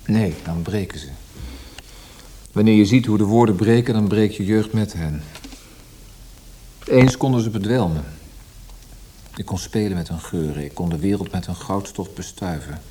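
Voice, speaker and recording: An actor playing a weary, melancholy poet, speaking in a lyrical, introspective manner in a literary radio drama. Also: male voice, on the low side, normal speed, long pauses, mellow, slight background noise, natural voice. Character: brooding, weary, melancholy male Austrian poet.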